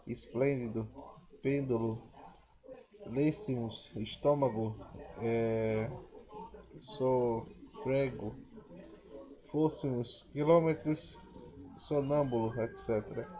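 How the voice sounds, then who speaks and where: A man reads a grammar lesson at an unhurried pace, working through rules and long lists of example words. His voice is dark and mellow, and his pitch stays level with little rise or fall. He stops now and then to correct a slip. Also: poor audio. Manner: slow, careful reading of word lists with self-corrections. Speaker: teacher. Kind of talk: reading a grammar lesson aloud.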